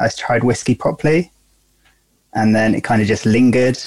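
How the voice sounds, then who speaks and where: In an ordinary speaking voice, a man talks at a moderate pace and a medium pitch. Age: 20s. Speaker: whisky blogger and YouTube reviewer. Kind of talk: casual chat.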